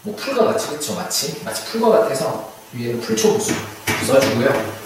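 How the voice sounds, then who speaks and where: Man teaching, animated, echoey distant mic. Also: mid-range voice, normal speed. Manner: chatty, asks students questions and answers them himself. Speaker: hanja certification instructor. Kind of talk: online video lecture. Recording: echoey room, mic far off, faint hiss.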